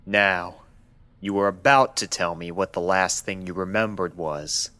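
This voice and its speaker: A man voicing a calm, reassuring male pony doctor with a measured, polite, clinical manner in a storybook reading. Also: sits low, dry recording. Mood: firm, calming.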